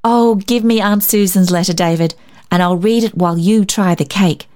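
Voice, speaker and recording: A woman's voice: fairly even intonation, moderate pace, darkish tone, lightly acted. A woman voicing a lonely, affectionate storybook lady who gushes tenderly. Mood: playful, eager. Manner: gushing, tender, high-lifted. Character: lonely, wistful, affectionate woman, effusive with delight.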